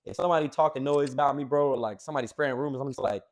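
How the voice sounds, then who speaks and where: A man in his late twenties co-hosts a podcast, his mid-range voice racing as he rambles through casual chat packed with slang and fillers.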